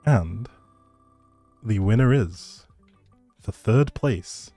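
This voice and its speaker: A man's voice: lowish voice, expressive, drawn-out words, warm tone, no room sound, soft background music. A man hosting a livestream in a chatty, rambling, informal way, as if talking casually with viewers. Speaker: livestream host. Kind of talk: casual livestream chat, giveaway announcing.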